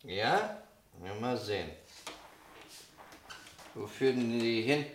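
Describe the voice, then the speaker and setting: An actor playing a shrewd, insistent police detective in a German crime radio drama, asking pointed questions. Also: male voice, medium pitch, lively intonation, takes it slowly. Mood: calm, probing.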